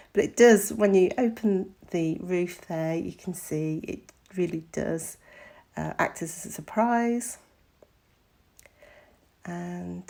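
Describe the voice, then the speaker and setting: A middle-aged woman with a croaky voice, recovering from an illness, talks casually through a craft tutorial with frequent ums. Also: medium pitch, warm tone.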